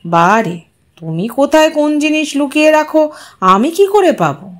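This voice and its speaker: A woman's voice: high-pitched, sing-song, moderate pace. A woman voicing a wry, bantering, easygoing young husband in an audio story. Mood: mock protest.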